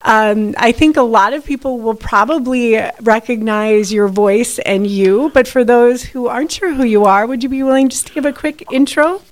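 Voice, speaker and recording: A woman's voice: a little high, normal speed, few pauses. A woman hosting a Catholic radio talk show, introducing segments and guests in a friendly way with some fillers and restarts. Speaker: radio host and executive director.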